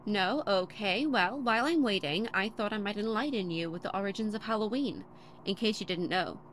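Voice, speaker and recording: A woman's voice: mid-range voice, a little fast, fairly bright tone, a little hiss or hum. A woman playing a chatty, wry podcast host who dismisses callers' suggestions, in an audio play.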